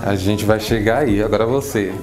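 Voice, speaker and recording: A man asking short interview questions quickly and quietly. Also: on the low side, over music. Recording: echoey room.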